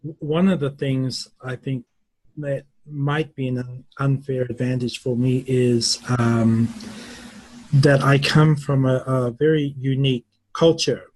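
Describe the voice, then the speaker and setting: A middle-aged man from New Zealand, a university English teacher, answering interview questions slowly and thoughtfully, with many pauses. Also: mid-range voice, steady tone, darkish tone, no room sound, low-quality recording.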